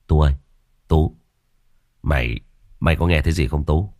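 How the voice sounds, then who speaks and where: A man's voice: extremely low pitch, normal speed, darkish tone, no room sound, clean studio sound. A man voicing a frightened young man on night patrol, stammering with fear in a ghost story. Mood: scared.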